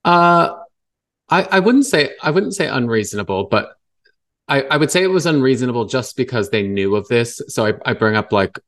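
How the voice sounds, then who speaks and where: A man's voice: mid-range voice, expressive, moderate pace, a bit bright. A man hosting a legal podcast, talking in a thoughtful, hesitant way that trails off and restarts. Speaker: podcast host. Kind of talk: casual professional chat.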